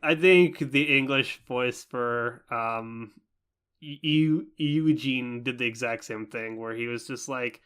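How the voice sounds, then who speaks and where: A man's voice: mid-range voice, slow pace, a bit bright, clean tone. A young man co-hosting a casual anime review podcast, talking in a rambling way with many fillers. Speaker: podcast co-host.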